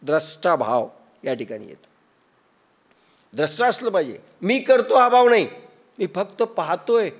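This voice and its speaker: A man with a Marathi accent preaching a sermon, telling stories with acted-out quotes and everyday examples, and chanting scripture verses slowly. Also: on the high side, big pitch swings. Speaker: spiritual teacher.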